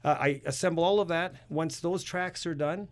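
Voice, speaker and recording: A man's voice: fairly high pitch, normal speed. A man from Canada explaining production work in a casual interview as a guest producer and sound designer.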